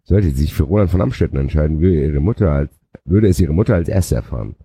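A man's voice: extremely low pitch, expressive, fast talker, dark tone, husky, no room sound. A man, a podcast co-host who reads a novel aloud, stumbling and adding sarcastic asides. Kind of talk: mock reading of a novel aloud with commentary.

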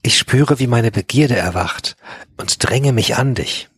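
A man reading aloud and voicing a lustful woman from an erotic story, in a drawn-out, breathy, swooning way. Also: mid-range voice, a bit bright, no echo, studio quality.

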